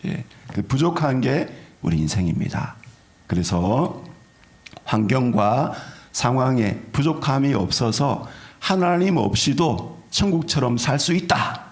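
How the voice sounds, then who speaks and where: A man's voice: mid-range voice, sing-song, a little slow. A middle-aged man, a pastor, gives a sermon in a conversational way and keeps checking that the congregation agrees.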